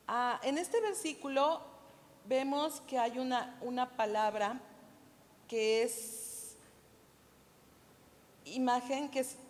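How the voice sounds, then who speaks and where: A Mexican woman giving a church Bible lesson, explaining step by step and often asking the congregation to confirm they follow. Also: on the high side. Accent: Mexican Spanish. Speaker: Bible study teacher. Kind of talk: church teaching. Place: church hall. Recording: reverberant hall, sound system distortion.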